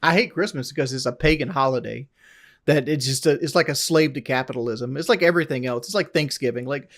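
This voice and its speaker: A man's voice: mid-range voice, fast. A man in a casual podcast argument, ranting bluntly about his opinions.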